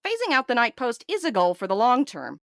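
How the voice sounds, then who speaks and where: A woman's voice: on the high side, huge pitch swings, brisk, vocal fry, fairly bright tone, no room sound, studio quality, heavily acted. A woman playing a fussy male governor's assistant in an audio drama, with chirpy, polished PR patter. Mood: upbeat, officious. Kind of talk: scripted audio drama dialogue.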